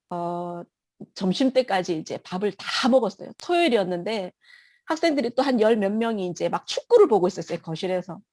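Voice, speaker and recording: A woman's voice: medium pitch, mellow, dry recording. A woman giving an emotional personal testimony in church, telling her story vividly.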